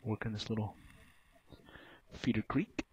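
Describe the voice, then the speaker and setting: A man's voice: fairly low pitch, fairly even intonation, measured pace, a little mellow, lo-fi sound, slight background noise. A middle-aged man, narrating his fishing trip in a laid-back, plain-spoken way with lots of uh fillers. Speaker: fishing vlogger. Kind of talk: casual voice-over narration.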